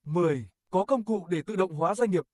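A man's voice: high-pitched, a little fast, a little mellow, no echo. A man reading scripted promotional narration as an advertisement narrator.

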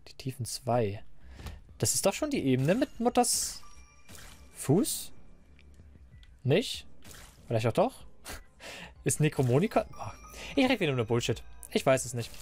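A man doing casual, rambling commentary while playing a game, a little hoarse and stuffy, into a desk microphone. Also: medium pitch, very animated, a little slow, pauses often, darkish tone, faint music behind. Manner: chatty, rambling, self-mocking. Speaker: let's player.

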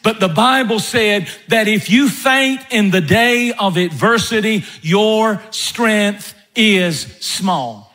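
Man, pastor, emphatic sermon, high voice, bright tone. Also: takes it slowly, hardly any pauses. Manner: emphatic preaching, voice drops low for storytelling.

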